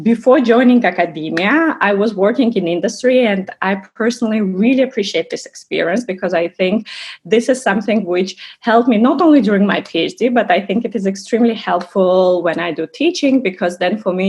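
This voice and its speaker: A woman in her thirties, from Armenia but raised in Russia, presents a course overview as an assistant professor over a video call. Her voice is mid-range and husky, and she explains carefully with frequent restarts in this online lecture.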